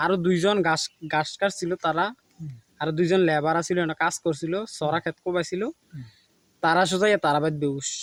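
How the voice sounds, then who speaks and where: High-pitched male speech with fairly even intonation and very even loudness, dry and close with no echo. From Bangladesh, Cumilla (Lalmai hills). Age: 20s. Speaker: truck driver. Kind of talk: street interview, storytelling. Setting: outdoors.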